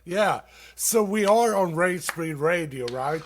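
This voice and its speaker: A man from Sweden, hosting a dad-joke comedy show and laughing loudly at his own punchlines. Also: sits high, animated, takes it slowly, very noisy. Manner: casual, calls listeners dude. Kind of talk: dad-joke stand-up on internet radio.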